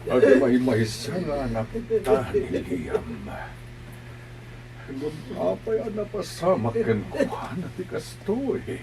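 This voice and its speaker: A man acting in a homemade melodrama with a gravelly voice and a drawn-out, half-laughing delivery. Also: fairly high pitch, sing-song, crowd noise, low-quality recording.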